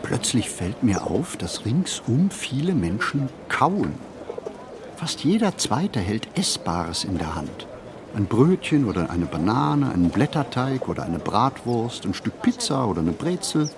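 A man reads a reflective literary monologue for a radio play, phrasing deliberately and expressively with pauses. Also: medium pitch, sing-song, background noise.

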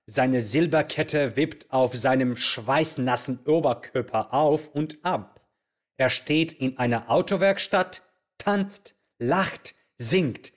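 A man's voice: medium pitch, slow, natural voice. A man playing a showy, chatty Yugoslav radio host who charms and coaxes his listeners in a theatrical show. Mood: narrating.

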